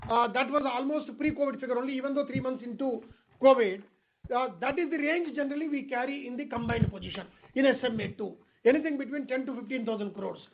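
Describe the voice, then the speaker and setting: A man's voice: very high-pitched, quick pace. A man with an Indian accent answering investor questions as an executive, explaining emphatically and repeating phrases. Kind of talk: spontaneous earnings call answers. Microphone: conference call line. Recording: phone-like call audio with faint noise.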